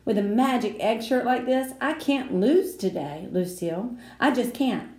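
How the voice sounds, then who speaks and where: A woman's voice: a little high, expressive, a little slow, darkish tone, reverberant, voice pushed up. A woman voicing a dramatic, scheming little boy who talks in a theatrical, conspiratorial way.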